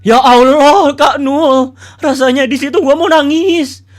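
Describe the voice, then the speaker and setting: A man's voice: very high-pitched, steady tone, slow pace, faint music behind, pitched above the performer's own voice. A man voicing a distraught, heartbroken woman who wails pleading questions.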